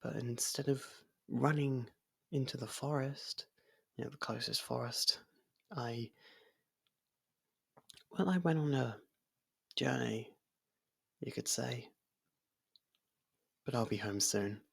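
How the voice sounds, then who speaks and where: A performer voicing a gentle, lovestruck faerie in an intimate ASMR roleplay, breathy and half-whispered, speaking in a hesitant, halting way. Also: medium pitch, full character voice. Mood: wistful, hesitant. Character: soft-spoken, lovestruck young faerie royal, shy, possessive.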